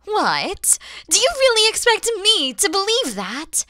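Bright-voiced, menacing motherly dragon woman, acted by a woman. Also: very high-pitched, huge pitch swings, measured pace, no echo, studio quality, heavily acted. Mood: suspicious, stern. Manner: theatrical, menacing, with drops into whispers. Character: proud, wary, motherly female dragon guarding her egg. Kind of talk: ASMR audio roleplay acting.

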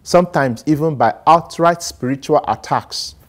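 A middle-aged man, a Catholic priest, preaching a homily in an animated way, swinging between loud emphasis and quiet asides, recorded on a lapel mic in a small studio. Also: fairly high pitch, normal speed. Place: small studio set with plants, indoors.

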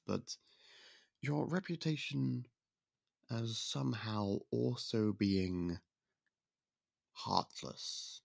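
A man playing a gravelly-voiced courtly young prince. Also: medium pitch, no echo, studio quality, heavily acted. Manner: polite, formal, soft-spoken courtship talk. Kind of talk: ASMR roleplay.

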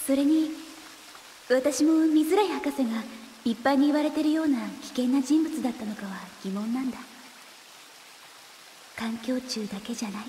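An actress playing a thoughtful, earnest young woman scientist in a Japanese audio drama, musing with hesitant pauses and soft trailing phrases. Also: sits high, a little hiss or hum, lightly acted. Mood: curious, reflective.

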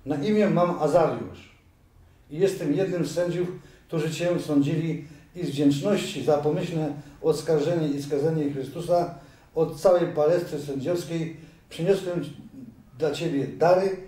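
A man voicing a sly, scheming male judge who plots and persuades, with slow, hesitant wheedling, in an amateur audio drama reading. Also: a little high, warm tone, natural voice. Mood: ingratiating. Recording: very echoey room, far from mic.

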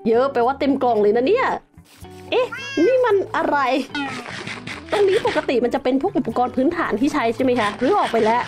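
A young woman giving casual, excitable gameplay commentary as a game host, full of exclamations. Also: high voice.

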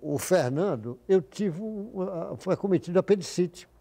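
An older man recounts his doctoring stories in an easy, anecdotal way, slipping into other people's voices as he quotes them. His voice sits a bit high yet sounds mellow and relaxed. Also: normal speed, vocal fry. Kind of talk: casual storytelling interview.

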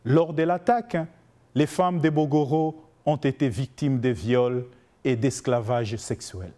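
A man giving even, formal scripted documentary narration. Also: mid-range voice, unhurried.

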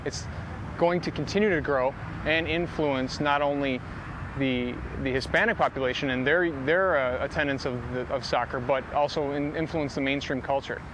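A man representing a company, interviewed outdoors at a sports field on a lapel mic, speaking haltingly with many restarts. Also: mid-range voice. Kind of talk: on-camera interview. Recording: outdoor interview with clear noise behind.

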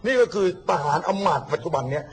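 A man talks about politics at a rapid clip, his voice sitting a little high. He is blunt and mocking and slips into quick acted-out snatches of what other people said. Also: lively intonation, a little hiss or hum. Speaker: guest speaker on politics and the army. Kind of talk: casual political talk.

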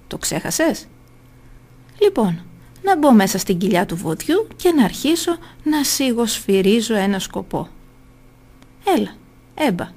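A woman's voice: medium pitch, a little mellow. A woman voicing a cruel, cunning male tyrant who gives curt, mocking orders.

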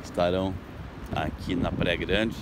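A chatty man talks straight to his viewers in an upbeat, casual way, his voice sitting a little low. He is recorded outdoors on a phone by a seaside boardwalk, and passing traffic and street noise come through clearly behind him. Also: fairly even intonation, unhurried. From Brazil. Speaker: local tour guide vlogger. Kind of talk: casual vlog narration. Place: beach boardwalk outdoors at sunrise.

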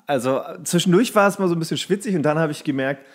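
A man's voice: on the high side, fast talker, slightly rough. A man, bantering loosely and colloquially as a podcast co-host. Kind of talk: casual comedic podcast banter.

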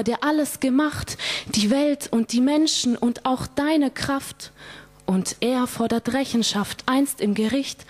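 A woman recites rhymed verse in a fairly high voice. Her delivery is very slow and deliberate, with pauses between phrases and an earnest, measured tone. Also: darkish tone. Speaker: poet reciting own poem at a church.

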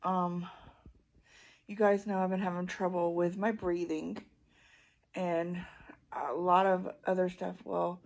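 A middle-aged woman with a husky, creaky voice chatting casually and ramblingly to her phone from a hospital bed. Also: on the low side, little pitch movement, slow pace, pauses often, darkish tone, highs cut off. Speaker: vlogger. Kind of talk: casual chat to camera. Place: small hospital room, lying in bed. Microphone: phone at arm's length.

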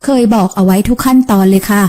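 A woman's voice: mid-range voice, quick pace, dark tone, natural voice. A woman doing a fussing, devoted old housemaid. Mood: reassuring. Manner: polite, coaxing, servant's deference. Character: older woman, loyal longtime household maid, fussing.

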